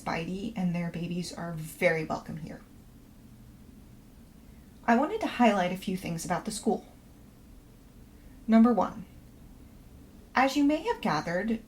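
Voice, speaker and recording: A polite, quirky woman professor played by an actress reads her letter aloud for a fiction podcast. She is matter-of-fact and reassuring at an average pitch, with faint noise and ambience behind her. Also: darkish tone. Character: polite, quirky woman professor giving house-sitting instructions. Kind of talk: scripted letter read aloud in a podcast promo.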